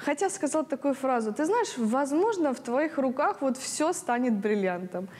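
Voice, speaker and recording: Very wide pitch swings in a woman's high voice, delivered at a moderate pace. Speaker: host of esoteric channel. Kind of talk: casual storytelling to camera. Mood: warm, smiling, enthusiastic. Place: studio. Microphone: lapel.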